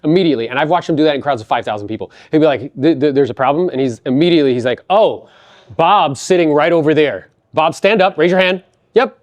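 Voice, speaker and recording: A man hosting a podcast, chatting casually and affirming his guest, energetic when retelling a story. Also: on the high side, quick pace, dry recording, dull audio. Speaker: podcast host. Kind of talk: casual interview chat.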